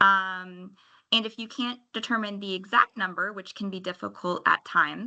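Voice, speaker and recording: Against a quiet background, a bright, sharp voice with fairly even intonation makes big swings in loudness. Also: woman, medium pitch for a woman. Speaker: government training presenter. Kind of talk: training webinar. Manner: fast; many filler ums.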